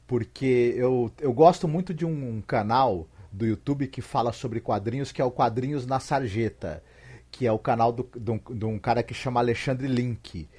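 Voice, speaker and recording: A Brazilian man in casual, explanatory podcast talk, repeating words and halting as he thinks. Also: medium pitch, a little mellow, husky. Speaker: podcast guest giving recommendations.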